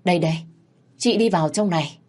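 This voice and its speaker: A woman's voice: on the low side, fast, darkish tone, natural voice. Woman voicing a skeptical wealthy older man. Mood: flustered.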